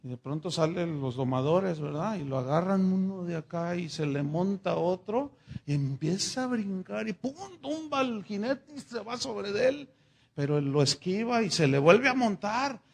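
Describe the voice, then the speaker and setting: A man, a pastor telling a story in a sermon, animated and chatty with fillers. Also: sits high, moderate pace, gravelly.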